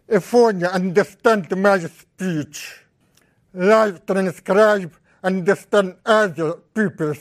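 A man with a strong Russian accent giving a conference talk as a research scientist, speaking slowly in halting, deliberate phrases. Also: sits high. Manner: slow, deliberate, halting speech.

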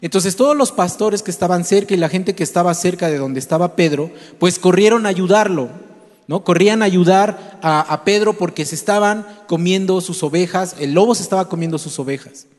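Preacher with a high voice. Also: male voice, fairly quick, darkish tone. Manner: storytelling, addresses listeners directly with rhetorical questions. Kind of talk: sermon. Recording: long hall reverb.

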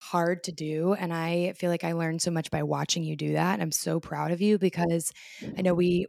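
A woman's voice: lowish voice, gravelly, a little mellow, no room sound, studio quality. A woman co-hosting a podcast, talking in a supportive, encouraging way. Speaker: podcast co-host. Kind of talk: casual chat.

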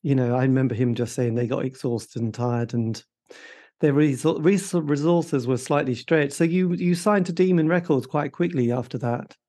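A male interviewer with a mellow, relaxed tone who keeps the talk moving. He asks leading questions and closes them with little tag questions. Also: medium pitch, moderate pace. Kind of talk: casual interview.

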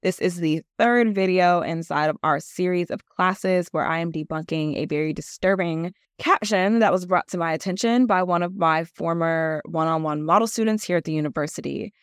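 A woman's voice: lowish voice, moderate pace, hardly any pauses, clear, resonant tone, no echo, clean studio sound. A woman with a nasal voice and a chatty manner, teaching a casual solo podcast class as host and model coach, with many fillers.

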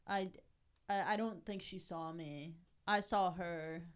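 Rambling smooth-voiced woman. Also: fairly low pitch, steady tone, a little slow. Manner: rambling, lots of filler words. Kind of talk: casual chat.

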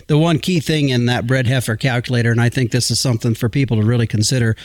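A man's voice: mid-range voice, steady tone, quick pace. Folksy radio host, man, slightly roomy sound. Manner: folksy, informal phrasing. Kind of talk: conversational radio hosting.

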